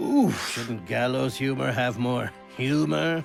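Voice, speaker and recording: A man talks in a cartoonish character voice at a fairly slow pace. Clear music plays in the background. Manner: dry, deadpan.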